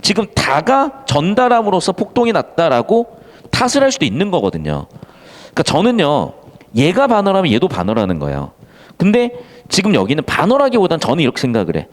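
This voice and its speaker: An animated male tutor with a slightly high voice explains a text to students in an exam-prep lecture. His pitch leaps about constantly, and he switches between casual and polite speech. The room gives his voice a long, trailing reverb. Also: fairly quick. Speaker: Korean literature tutor.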